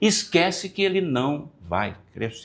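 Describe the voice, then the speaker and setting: Using vocal fry, a man speaks at a very slow pace. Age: 60s. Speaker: politician. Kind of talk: interview. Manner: animated.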